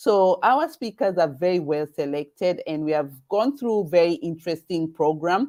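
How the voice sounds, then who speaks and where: In a Kenyan accent, a woman with a fairly low pitch and a dark, mellow tone speaks with lively intonation and hardly any pauses. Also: moderate pace. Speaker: webinar host. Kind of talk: live webinar presentation. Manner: halting, many fillers.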